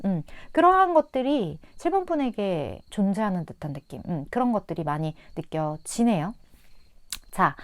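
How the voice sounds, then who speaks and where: A woman giving a relaxed tarot reading to her viewers, musing aloud in a gentle way with soft hums and fillers. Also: mid-range voice, no room sound. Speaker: tarot reader.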